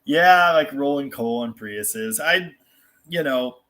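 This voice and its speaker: An American man with a bright, forward voice at a middle pitch hosts a casual livestream. He rambles candidly through replies to viewers and is quick to poke fun at himself. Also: animated. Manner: rambling, candid, self-deprecating; mild swearing. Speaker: host of a live car show. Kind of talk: casual livestream chat, answering viewer comments.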